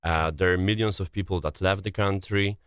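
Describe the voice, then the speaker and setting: A native Polish man speaks English with a thick Polish accent in an interview. His voice is very low and smooth, and he halts often to find the right word. The sound is dry and close. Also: fairly even intonation, a bit bright, dry recording. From Poland. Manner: halting, searching for words. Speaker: interview guest, relief coordinator. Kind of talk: interview answers.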